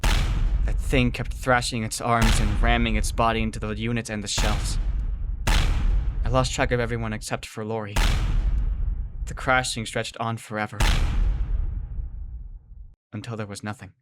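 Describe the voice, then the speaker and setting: A woman narrating a first-person horror audio drama, expressive, moving between hushed narration and excited character dialogue. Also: very deep voice, unhurried, long pauses, very noisy. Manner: expressive, swings from hushed to shouting. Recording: music playing behind the voice.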